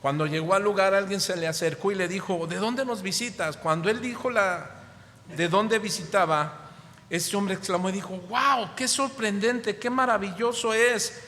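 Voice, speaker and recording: A man's voice: sits high, normal speed, fairly bright tone. A man with a Mexican Spanish accent preaching a sermon as pastor, asking the congregation rhetorical questions with emphatic rises. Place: church hall. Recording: long church hall reverb.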